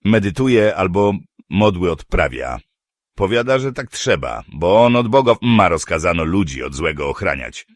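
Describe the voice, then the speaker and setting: A simple rustic man explains things in a plain, earnest way, voiced by a male narrator. The tone is low and lively, and the recording is dry. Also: normal speed, dry recording.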